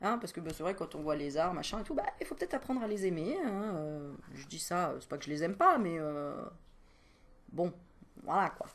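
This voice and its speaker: A woman's voice: fairly low pitch, lively intonation, brisk. A woman doing a casual animal card reading as a medium, chatty and playful, breaking into giggles and self-mocking asides while teasing the viewer. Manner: teasing, talks straight to the viewer.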